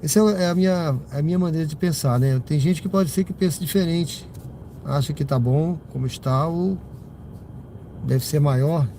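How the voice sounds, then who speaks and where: A man's voice: fairly high pitch, moderate pace, mellow. A Brazilian rideshare driver chatting casually to his live-stream viewers from the car, slightly congested from a cold, rambling with lots of tag questions. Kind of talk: casual live-stream chat while driving. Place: inside a car driving at night. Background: car and road noise.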